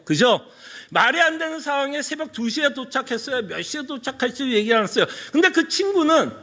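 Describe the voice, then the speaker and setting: A male pastor preaching with a strikingly high voice for a man. His pitch rises and falls with great liveliness. He tells stories, puts questions to the congregation and draws out words for emphasis. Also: a bit bright. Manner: storytelling with rhetorical questions to the congregation; slows down to stress words. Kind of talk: sermon. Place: church.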